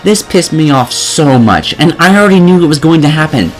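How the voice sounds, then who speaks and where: A man's voice: a little high, animated, brisk, rough recording. A man reading scripted video game review commentary in a sarcastic, exasperated manner. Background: music.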